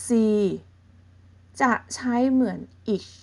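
A woman gives a beginner language lesson at an unhurried, measured pace. Her voice sits a little high, and she walks through each step patiently, often pausing to check that listeners follow. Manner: patient, explains slowly and checks in with softening particles. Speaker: German language teacher.

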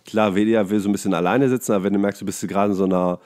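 A man's voice: fairly low pitch, fairly even intonation, very fast, darkish tone. A man co-hosting a podcast, ranting in casual comedic chat and acting out imagined exchanges. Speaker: podcast co-host.

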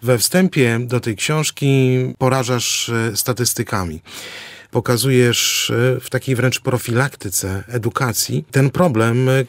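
A man's voice: medium pitch, no room sound. Earnest male interviewer, dry sound. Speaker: interviewer, host. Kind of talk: interview questions.

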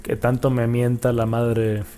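A young man giving excitable let's play commentary, cursing and yelping at the game as he plays. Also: medium pitch, unhurried, slight background noise. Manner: excitable, swears and yelps at the game. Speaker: gaming YouTuber.

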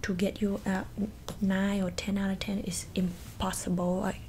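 A woman's voice: mid-range voice, little pitch movement, moderate pace, darkish tone, slight background noise, lightly acted, rough recording. A young woman in an ASMR role-play, voicing a blunt, boastful makeup doctor with a put-on Asian accent and broken English. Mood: focused, repetitive. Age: young adult. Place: small bedroom indoors. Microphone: close desktop microphone with foam cover.

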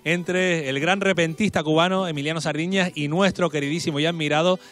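A man hosts a live television folk show in a Canarian Spanish accent. His voice sits a little high for a man, with some music in the background. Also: fairly even intonation, a little fast, fairly bright tone. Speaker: television host. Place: large studio-like set with seated guests. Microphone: handheld microphone.

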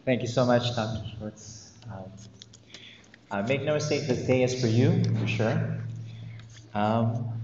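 Teacher, man, 30s, nervous podium speech with filler words, in a big reverberant hall, with faint noise behind. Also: mid-range voice. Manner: hesitant, many ums and uhs, nervous. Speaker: commencement speaker, math teacher. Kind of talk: commencement speech. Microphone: podium microphone. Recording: echoey hall, dull lo-fi sound.

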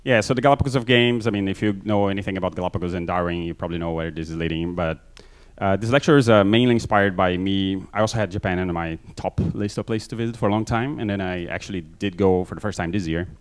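A middle-aged man from Brazil with a mixed Brazilian accent gives a casual conference talk on a stage with a handheld mic, quick and full of fillers. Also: deep voice. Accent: Brazilian Portuguese mixed. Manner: fast, filler-heavy, self-deprecating. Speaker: conference speaker. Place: large conference hall stage.

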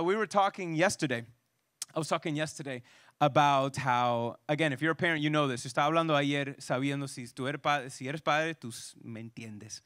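A high, bright male voice leading a parenting workshop for a church audience. He talks casually, restating every point twice and tossing questions to the room. The sound is dry and close, with no room echo. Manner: restates each point twice, switching back and forth; casual fillers like "right?" and "you know".

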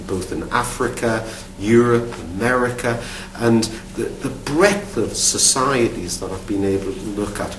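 A man in his fifties from Newcastle with a Geordie accent, an archaeology professor answering interview questions to camera in a thoughtful way, often restarting and repeating words. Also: mid-range voice. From Newcastle upon Tyne, England. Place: studio with dark backdrop. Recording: roomy, distant mic, faint hum.

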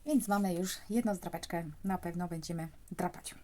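Soft-spoken woman, near a whisper. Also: on the low side, moderate pace, slight background noise. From Poland. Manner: speaks softly, often near a whisper. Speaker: vlogger scratching lottery tickets. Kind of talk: quiet casual commentary.

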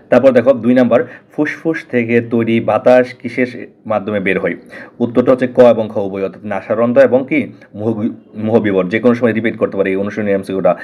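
A man's voice: medium pitch, lo-fi sound. A man with a Bangladeshi Bengali accent teaching an online exam-prep lesson, repeating answers and telling students directly what is important.

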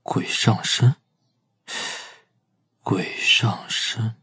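An actor playing a thoughtful, probing criminal psychologist in an audio drama. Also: male voice, fairly low pitch, drawn-out words, bright, forceful tone, husky, no room sound, clean studio sound, exaggerated voice. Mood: pensive.

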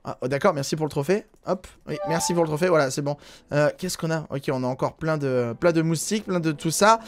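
A man with a French accent giving casual let's-play commentary, chatty and excitable, thinking aloud with lots of fillers. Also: a little high, a little fast. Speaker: gaming YouTuber.

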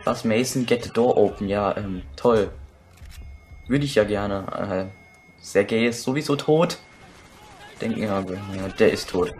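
A young man giving crude, excitable commentary while playing a shooter, swearing and shouting at enemies. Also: lowish voice, measured pace, long pauses, a little hiss or hum. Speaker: let's play gamer. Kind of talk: casual gameplay commentary.

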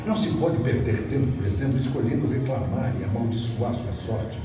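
A middle-aged man giving a motivational opening speech, measured and emphatic with dramatic pauses. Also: mid-range voice. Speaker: motivational speaker. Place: video on a screen in a dark event hall. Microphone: phone filming the screen from the audience. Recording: echoey hall from far off with music.

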